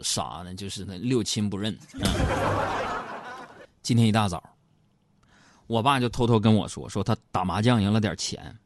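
A man host delivers a comic monologue, teasing his listeners and mock-complaining about everyday life. His pitch swings widely as he speaks. The sound is dry and close. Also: no room sound.

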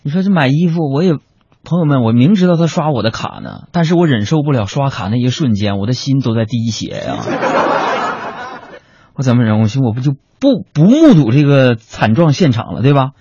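A man telling a comic story, chatty and animated, talking to his listeners as friends. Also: mid-range voice, a little fast, slightly rough, no echo. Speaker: comedian. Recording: dry lo-fi recording.

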